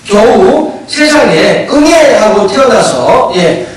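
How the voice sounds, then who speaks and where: Brief: male pastor, conversational sermon, high voice, distant echoey sanctuary sound. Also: big pitch swings, slow, slight background noise. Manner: conversational, asks rhetorical questions. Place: church sanctuary. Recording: echoey church hall, distant mic.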